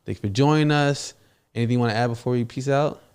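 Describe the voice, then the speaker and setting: A man hosts a podcast in a relaxed, conversational way. His voice sits at a medium pitch. He laughs easily as he talks. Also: fast talker, clear, resonant tone. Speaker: podcast host. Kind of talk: casual chat.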